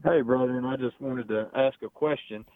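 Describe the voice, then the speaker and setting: A man's voice: medium pitch, brisk, dry recording. Male caller on tinny phone line. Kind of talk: casual question.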